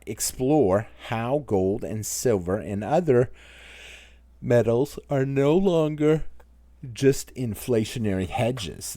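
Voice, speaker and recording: A low-pitched man with a Maine accent chats casually as the host of his own channel, wandering from point to point as he answers viewer questions. His voice sits close and dry, with almost no room sound. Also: warm tone, no echo. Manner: rambling, conversational, reads viewer comments aloud. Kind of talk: casual Q&A chat.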